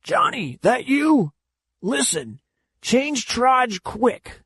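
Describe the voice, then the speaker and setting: A man voicing a blustering older spaceship captain, gruff and roaring. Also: very high-pitched, very animated, drawn-out words, fairly bright tone, no room sound, studio quality, voice pushed up, exaggerated voice.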